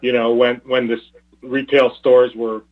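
Halting male executive on a tinny phone line. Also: mid-range voice, level tone. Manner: halting, hesitant, repeats words. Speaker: company executive. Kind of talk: earnings call commentary. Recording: tinny narrow phone-line conference call.

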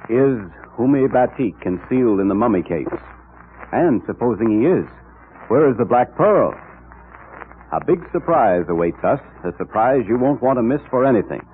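Animated old-time American radio announcer, tinny sound. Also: male voice, mid-range voice, moderate pace, a little hiss or hum. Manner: emphatic, dramatic salesmanship.

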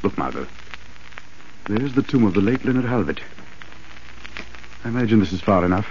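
An actor playing a confident, watchful crime-fighter in an old radio drama, assured, protective and crisp in his explanations. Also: on the low side, lively intonation, moderate pace, a little mellow, natural voice. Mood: watchful calm. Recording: muffled old radio recording, faint noise.

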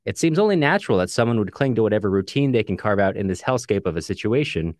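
A man's voice: lowish voice, very animated, fast, dry recording, clean studio sound. A man co-hosting a book discussion podcast in a casual, chatty way, sometimes reading out listener comments. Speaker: podcast co-host.

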